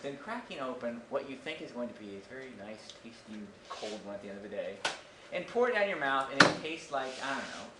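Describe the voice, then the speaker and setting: A man teaching a high school math class in a casual, chatty way, often checking in with "right?". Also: background noise. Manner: chatty, animated, keeps asking "right?". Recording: distant echoey classroom recording.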